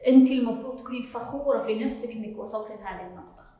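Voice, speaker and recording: Gulf arabic lady coach answering questions, talks fast, repeats herself a lot, super echoey hall sound. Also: fairly high pitch, mellow. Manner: emphatic, repeats points, reassuring. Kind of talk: casual Q&A talk. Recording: very echoey long reverb.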